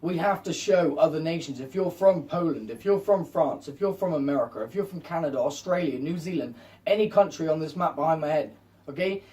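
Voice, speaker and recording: A man's voice: fairly high pitch, brisk, a little mellow, distant mic. A man hosting a video with an insistent, repetitive, impassioned unscripted appeal to viewers. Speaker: video host.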